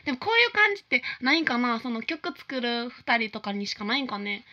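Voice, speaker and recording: A woman's voice: on the high side, sing-song, brisk, bright, forceful tone, lo-fi sound. A woman with a Kansai Japanese accent chatting casually, her nose congested from a cold. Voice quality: nasal, congested. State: stuffed-up nose from a lingering cold. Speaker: talk show host and singer-songwriter. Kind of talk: casual chat.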